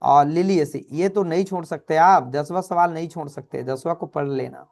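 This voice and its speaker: Brisk teacher. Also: male voice, fairly high pitch, gravelly, a little mellow. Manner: brisk, addresses students as children. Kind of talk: exam revision lesson.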